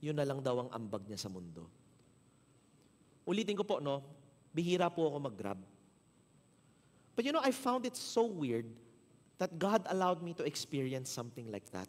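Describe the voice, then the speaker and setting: A Filipino pastor preaches in a high, animated voice, swinging his pitch as he acts out both sides of a conversation. His words ring out with a long reverb from the church hall. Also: normal speed, pauses often. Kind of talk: sermon with storytelling.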